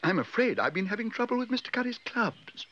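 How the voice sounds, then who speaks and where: A man's voice: high-pitched, very animated, a little fast, bright, forceful tone, muffled recording, voice pushed up, exaggerated voice. A man voicing a polite, earnest, hopeful young bear in a children's storybook reading. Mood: polite, puzzled. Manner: courteous, eager, literal-minded.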